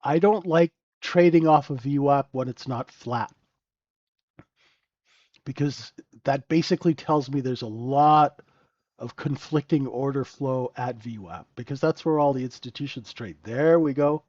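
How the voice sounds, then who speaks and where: A man's voice: mid-range voice, measured pace, a little mellow, no echo, lo-fi sound. A man hosting a live trading room, talking through the chart with a stuffy, nasal voice and sniffling, keeps asking "right?".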